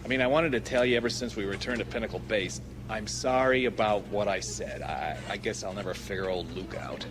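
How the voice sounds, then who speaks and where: An actor playing a cocky, gruff smuggler pilot, wry and brusque, in a space-opera audio drama. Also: male voice, on the low side, fairly quick, hardly any pauses, over music, natural voice. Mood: tender, hesitant.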